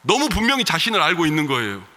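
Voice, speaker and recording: A pastor in his thirties preaches in a church sanctuary, his fairly high, very bright, forceful voice ringing with a long hall reverb. He swings from loud, emphatic calls to hushed personal storytelling. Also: wildly swooping pitch, rapid-fire. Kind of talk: sermon.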